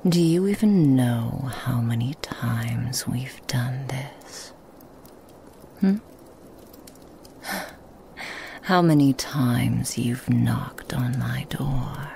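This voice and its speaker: A woman voicing a seductive, possessive female Krampus demon in a whispered ASMR roleplay, teasing and mocking in an intimate hush. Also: a bass voice, extremely slow, creaky, long pauses, slight background noise, exaggerated voice. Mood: menacing.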